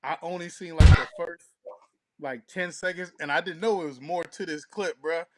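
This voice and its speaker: A man's voice: on the high side, moderate pace, background noise. A man co-hosting a talk show, giving brash, slangy comic commentary. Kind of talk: casual comedic commentary.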